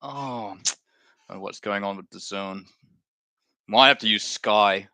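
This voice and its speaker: A man's voice: fairly low pitch, a little slow, pushed and bright. A man from Malaysia hosting a live watchalong stream, chatting in a rambling, self-correcting way. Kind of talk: casual watchalong chat.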